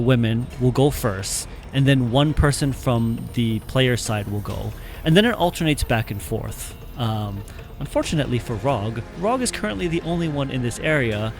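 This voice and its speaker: A man narrates as game master, his pitch swinging up and down as he describes the scene. He stops often for little fillers and restarts. Soft music plays quietly behind him. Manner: halting, filler-heavy narration. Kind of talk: narrating an online tabletop game.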